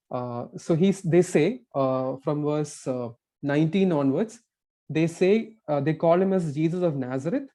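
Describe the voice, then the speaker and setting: A male preacher delivers a sermon at a pulpit microphone in a church. His voice sits slightly high but sounds warm and mellow. He explains earnestly and often stops to restart a thought.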